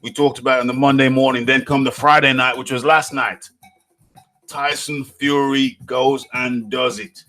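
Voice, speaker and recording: Over soft background music, a man hosts a live boxing talk stream, with a medium-pitched, sharp voice, fairly even intonation and a moderate pace. He repeats phrases, cracks jokes and keeps his viewers hyped.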